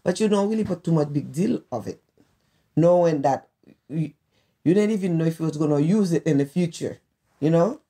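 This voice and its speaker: A woman's voice: low-pitched, animated, brisk, dark tone. A woman from Haiti with a Haitian accent, chatting as a guest and telling stories with laughter in simple English. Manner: laughs while telling anecdotes, plain broken English. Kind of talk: casual conversation, storytelling.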